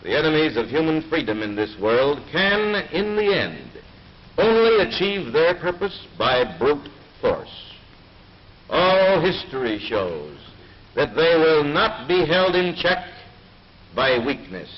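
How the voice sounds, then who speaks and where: A man delivering a measured, solemn formal speech, heard in an old 1940s newsreel recording. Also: on the high side, big pitch swings. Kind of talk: formal oratory. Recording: muffled hissy 1940s newsreel sound.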